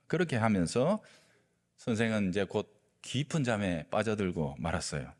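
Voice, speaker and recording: A male pastor preaching a sermon, telling a story with lively delivery and acting out the quoted lines. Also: on the low side, moderate pace. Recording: long reverb of a large hall.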